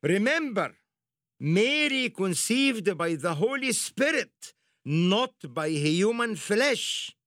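A man's voice: high-pitched, no echo, studio quality. A man hosting a Christian program, preaching and telling stories emphatically. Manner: emphatic, animated storytelling with quick laughs. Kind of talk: preaching to camera.

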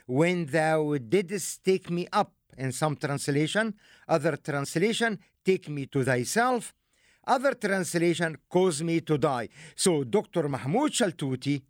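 A man from Egypt, giving a deliberate, emphatic teaching lecture with rhetorical asides. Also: a little high, lively intonation, dry recording, studio quality. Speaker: religious lecturer.

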